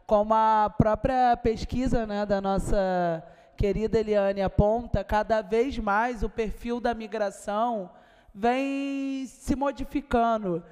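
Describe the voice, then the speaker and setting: A woman's voice: a little high, steady tone, slow, darkish tone, smooth. A woman, presenting formally as host of a ceremony. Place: large wood-panelled legislative chamber, indoors. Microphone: gooseneck desk microphone. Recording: echoey hall with long reverb.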